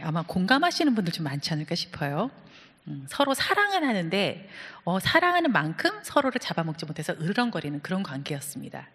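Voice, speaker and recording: Female pastor preaching in a church hall with long reverb; lively pitch, questions the congregation. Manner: storytelling, asks the congregation questions. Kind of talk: sermon.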